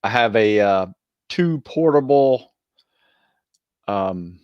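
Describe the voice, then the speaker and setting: A man co-hosting a podcast in casual chat, easygoing and a bit halting as he talks. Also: on the low side, lively intonation, a little mellow, clear, resonant tone, dry recording, lo-fi sound. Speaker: podcast co-host and fitness group trainer.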